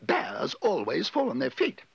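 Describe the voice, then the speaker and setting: A man voicing a brisk, dry-witted woman of the household in a children's storybook reading. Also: a little high, wildly swooping pitch, gravelly, breathy edge, no room sound, dull audio, pitched above the performer's own voice, exaggerated voice. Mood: pointed.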